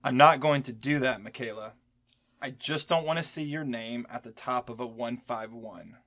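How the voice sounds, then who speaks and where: Actor as senior male agent, weary, stern, protective, medium pitch, cautioning delivery, audio drama. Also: normal speed, fairly bright tone, lightly acted. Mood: weary, concerned.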